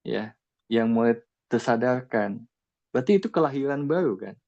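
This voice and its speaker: A man's voice: mid-range voice, expressive, moderate pace, a little mellow, highs cut off. A man giving a casual spiritual talk to a group, conversational and full of rhetorical questions. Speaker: spiritual teacher.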